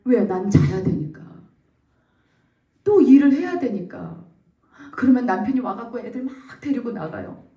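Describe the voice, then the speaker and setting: A woman in her forties giving a heartfelt church testimony, telling her story with lively acted-out quotes. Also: fairly high pitch, normal speed, muffled recording. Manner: animated storytelling, acts out quotes, laughs and nearly cries. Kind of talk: emotional testimony. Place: church sanctuary. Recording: echoey church room, mic at a distance.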